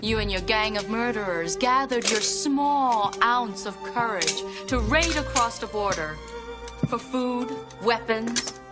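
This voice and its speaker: Hard-edged woman reporter, bright and deliberate, seeking revenge. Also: on the high side, expressive, over loud music. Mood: accusing. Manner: accusing, emphatic delivery. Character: vengeful young female reporter. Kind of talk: 1990s action film dialogue.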